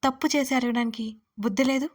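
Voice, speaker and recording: Woman playing a young woman talking back, indignant, voice kinda high. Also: steady tone, brisk. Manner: indignant, scolding.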